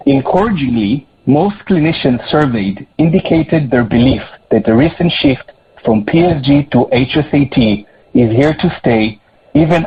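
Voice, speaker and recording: A man speaking as a chief executive, reading prepared earnings remarks in a formal, measured business manner. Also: mid-range voice, slight background noise. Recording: slightly dull, lo-fi conference call audio.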